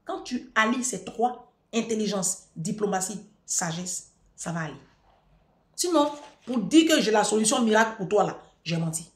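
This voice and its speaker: A middle-aged woman vlogging, telling a story and giving advice in an emphatic way, repeating her phrases and rising to near-shouting at her peaks. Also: mid-range voice, expressive, normal speed, echoey room. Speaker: vlogger answering a viewer.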